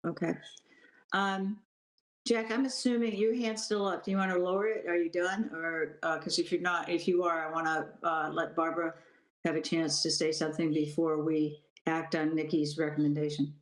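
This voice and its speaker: A woman chairing a committee meeting over a video call. She speaks in a measured way and hands the floor to others. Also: sits low, level tone, reverberant, rough recording. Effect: heard over a video call. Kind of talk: running a public meeting.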